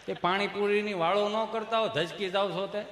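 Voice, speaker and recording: A man with a Kathiawadi Gujarati accent telling a comic folk story on stage in a lively, chatty way, laughing along with the crowd. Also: high voice, moderate pace, a little hiss or hum. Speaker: stand-up comedian. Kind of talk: live folk comedy storytelling. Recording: echoey live hall recording.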